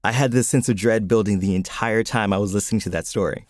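A man's voice: lowish voice, fast talker, dry recording, clean studio sound. A man co-hosting a story podcast in a chatty, lightly scripted style. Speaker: podcast co-host.

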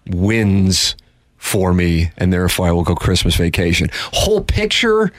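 Man, sports radio host, fairly low voice, playful and animated, dry close studio mic. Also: measured pace, no echo. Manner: lively, jokey, animated pitch jumps. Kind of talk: casual sports radio banter.

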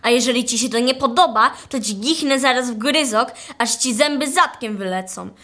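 A young female performer playing a brash, sharp-tongued girl with a Silesian accent in a radio play. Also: a little high, moderate pace. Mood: defiant. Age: child or teenager. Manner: feisty, blunt, scolding.

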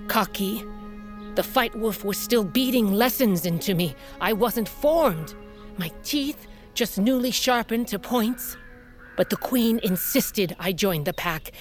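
In an audio drama, an actress voices a fierce, aging tribal queen and mother, speaking gravely and measuredly in a low storytelling style, close to an everyday voice. The character is sickly and coughs at times.

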